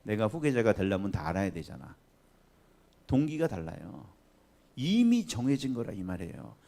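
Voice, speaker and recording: A male pastor delivering a Sunday sermon in a church sanctuary. His pitch swings widely as he preaches. He keeps turning to the congregation with questions. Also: normal speed, vocal fry. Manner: animated, often acting out quoted voices and asking the congregation questions.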